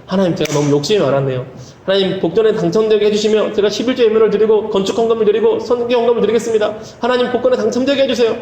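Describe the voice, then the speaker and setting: A man's voice: a little high, racing, few pauses, darkish tone, slight background noise, voice pushed down, close to an everyday voice. A man voicing a man who pleads with God for a lottery win, in a whiny tone. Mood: pleading. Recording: roomy church hall, faint ambience.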